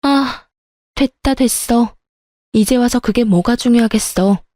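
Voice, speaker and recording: A woman's voice: a little high, unhurried, warm tone, no room sound, clean studio sound, lightly acted. A woman voicing a scornful young bride-to-be. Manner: cutting, scornful, blunt. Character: sharp-tongued young woman calling off her wedding.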